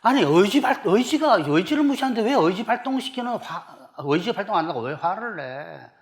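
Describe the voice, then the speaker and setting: A man's voice: high voice, very animated, normal speed. A middle-aged man from South Korea preaching a sermon as pastor, emphatic and full of rhetorical questions to the congregation.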